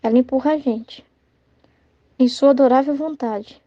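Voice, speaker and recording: High-pitched chatty Brazilian woman teaching. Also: moderate pace, no room sound. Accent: Brazilian Portuguese. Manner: chatty, tags sentences with "né?", acts out everyday dialogue. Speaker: religious study teacher and child tutor. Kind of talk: informal devotional study talk. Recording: dull lo-fi dry sound.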